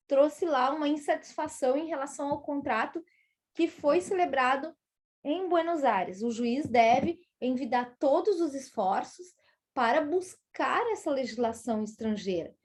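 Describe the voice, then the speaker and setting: High-voiced Brazilian woman lecturing on law. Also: expressive, unhurried. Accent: Brazilian Portuguese. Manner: explanatory, addresses students directly, acts out quoted judges. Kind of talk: university lecture.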